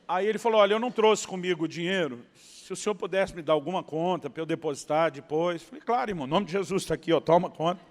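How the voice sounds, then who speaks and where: A Brazilian male pastor preaching with a fairly high voice. He tells his story with animated, acted-out dialogue. The sound carries a long reverb, as in a large hall. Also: fast talker, hardly any pauses. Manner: animated storyteller, acting out dialogue, laughing at punchlines. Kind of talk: sermon storytelling.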